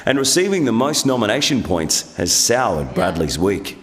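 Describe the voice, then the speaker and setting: A man's voice: fairly low pitch, very animated, moderate pace, long reverb tail. A man narrating TV recaps with a punchy, dramatic delivery. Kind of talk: scripted TV voice-over.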